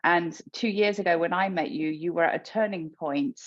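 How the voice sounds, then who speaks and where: A woman's voice: fairly low pitch, moderate pace, no echo, muffled recording. A woman hosting a podcast interview, asking chatty questions with fillers. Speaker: podcast host. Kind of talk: casual interview chat.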